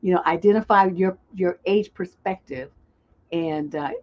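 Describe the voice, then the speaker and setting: A woman with a lowish voice hosts a live call-in stream as a relationship coach. She talks in a loose, improvised way and reads viewers' comments aloud. The audio is dull and lo-fi, like a computer mic. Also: a little slow. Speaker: relationship coach and show host.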